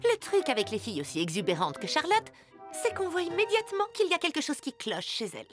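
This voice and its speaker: Casting: frank, impatient cartoon girl, the sensible friend. Very high, animated pitch, music underneath. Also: fast talker. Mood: knowing. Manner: expressive, frank. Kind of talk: animated children's cartoon dubbing.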